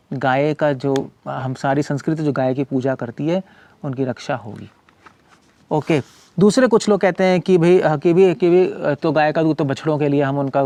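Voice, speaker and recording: A man's voice: a little high, darkish tone. A man, a monk who was once a medical doctor, giving a casual explanatory talk in a conversational way, often repeating words and restarting, and mixing English terms in. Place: cow shelter owner speaking from his farm community.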